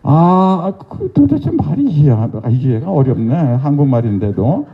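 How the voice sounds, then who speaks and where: An older man preaching at a church revival, playfully calling on congregants and quizzing them. His voice sits a little high and is gravelly, jumping widely in pitch. The recording is muffled and lo-fi. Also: very animated, measured pace, faint music behind. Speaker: pastor. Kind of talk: interactive revival sermon, questioning the congregation. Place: church sanctuary.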